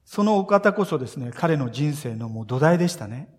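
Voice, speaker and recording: A man preaching a sermon as pastor, earnest and expressive, building emphasis as he speaks. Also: on the high side, a little fast. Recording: long reverb of a large hall.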